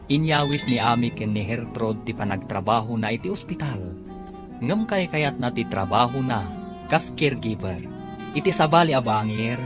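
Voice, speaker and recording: Animated male radio serial announcer over music. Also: medium pitch. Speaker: radio drama announcer and narrator. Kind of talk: scripted radio serial narration.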